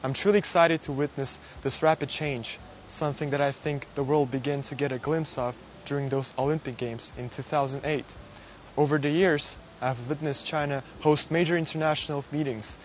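A young man from Russia, a university student, giving an earnest, measured prepared speech to camera on a lapel mic, outdoors on a garden stage at night. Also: on the high side, lo-fi sound, a little hiss or hum. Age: young adult.

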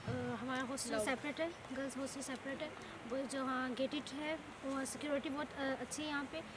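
A woman's voice: high-pitched, level tone, racing. A young woman with a Pakistani accent giving a student testimonial. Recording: distant mic, clear background noise.

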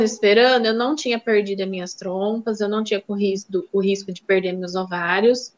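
A woman guest telling her own story in a casual chat, animated and acting out the voices of people she quotes, on a dull lo-fi recording. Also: mid-range voice. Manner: animated, acts out quoted dialogue. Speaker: interview guest sharing her fertility story.

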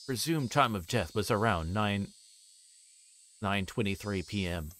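A man livestreaming a visual novel, moving between quiet reading aloud and halting, casual chat. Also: on the low side, animated, a little hiss or hum. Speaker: livestreamer playing games.

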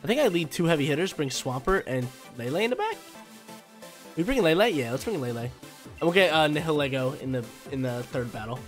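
A young man talks quickly in a slightly high voice, stuffed up and nasal from allergies. He calls his video game moves out loud in hyped, slangy bursts. Faint game music plays behind him. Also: expressive. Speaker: gaming YouTuber. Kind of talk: live commentary over a video game battle.

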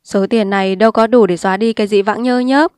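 A woman's voice: mid-range voice, steady tone, fast, smooth, no room sound, studio quality, lightly acted. A woman voicing a defiant, streetwise young woman who speaks bluntly and scornfully. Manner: blunt, scornful and sharp-tongued.

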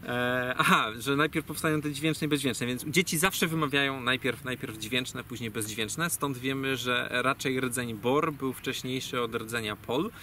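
A man's voice: mid-range voice, measured pace, hardly any pauses, pushed and bright. A man giving a rambling, digressive explanation in casual talk, full of fillers and self-corrections. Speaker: guest speaker on language origins. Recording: distant mic, faint ambient noise.

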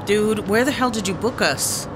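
Sardonic, higher-voiced American traveler, a man acting. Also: normal speed, over music, lightly acted. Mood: skeptical, sardonic. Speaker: actor. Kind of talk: radio drama acting.

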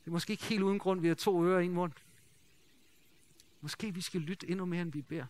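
A middle-aged man preaching a sermon in a lively, conversational way, joking and asking the congregation rhetorical questions. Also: high voice. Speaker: pastor.

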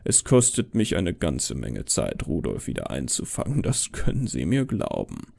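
A man's voice: rumbling low, huge pitch swings, normal speed, creaky, a little mellow, slightly rough, voice pushed down, heavily acted. A man voicing a bitter, deluded immortal Santa Claus with a brooding, falsely friendly manner, in an audio horror story. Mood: earnest. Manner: brooding, contemptuous.

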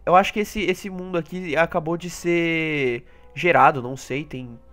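Excitable high-voiced Brazilian gamer. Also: male voice, moderate pace, faint music behind. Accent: Brazilian Portuguese. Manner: excitable, talks to the audience, jumps into high yelps and laughter. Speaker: gaming YouTuber. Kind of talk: live gameplay commentary.

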